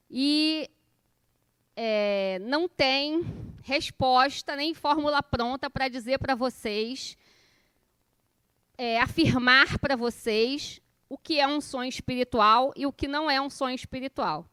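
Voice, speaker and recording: A woman in her forties with a Rio Brazilian accent teaches a class informally. Her voice sits high and is picked up dry and close, with very little room in it. She talks colloquially, like someone telling personal stories, and keeps turning to her listeners with questions and small checks for agreement. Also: fairly bright tone, smooth, dry recording. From Rio de Janeiro, Brazil. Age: 40s. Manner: conversational, colloquial, personal storytelling. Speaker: spiritist course lecturer.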